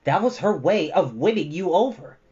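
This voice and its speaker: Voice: medium pitch, lively intonation, moderate pace, dark tone, voice pushed up, natural voice. Storybook companion, voiced by a reader: frank young warrior, dry and blunt, slightly dull recording. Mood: dry, accusing.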